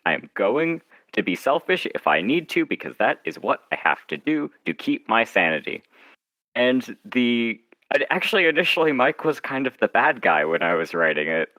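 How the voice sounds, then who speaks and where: A man's voice: lowish voice, sharp tone, no room sound, rough recording. A man speaking as an author being interviewed, chatting informally and often slipping into imagined quotes to make his point. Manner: informal, acts out imagined lines of dialogue. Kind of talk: casual interview chat.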